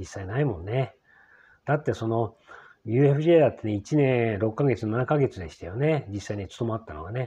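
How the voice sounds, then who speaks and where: Somewhat breathy, a man's dark, mellow voice moves at a moderate pace with lively intonation. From Japan. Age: 60s. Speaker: YouTuber commentator. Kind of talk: casual vlog commentary. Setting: hotel by the sea. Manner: many fillers, hesitant. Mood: critical, lecturing. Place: home room. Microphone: phone near.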